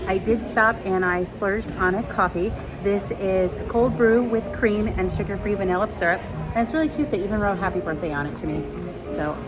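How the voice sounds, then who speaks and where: A woman's voice: mid-range voice, normal speed, over music, rough recording. A woman chatting casually in a vlog, rambling with fillers, sometimes stuffy from allergies. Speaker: vlogger. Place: theme park, outdoors and at home.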